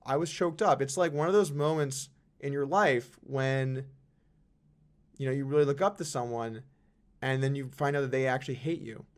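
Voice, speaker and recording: A young man, a poker vlogger, telling a personal story to camera in an earnest, halting way with frequent restarts. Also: mid-range voice.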